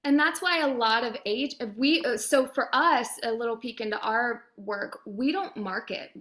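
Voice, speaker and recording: A woman's voice: on the high side, moderate pace, a bit bright. A woman answering as an interviewed producer in a candid, casual, conversational way. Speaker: voiceover demo producer being interviewed.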